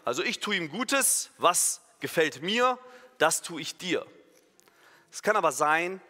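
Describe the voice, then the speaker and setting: A pastor giving a sermon, emphatic and lively, acting out imagined inner voices and now and then correcting himself mid-sentence. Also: male voice, on the high side, a little slow. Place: church hall. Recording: long reverb of a church hall.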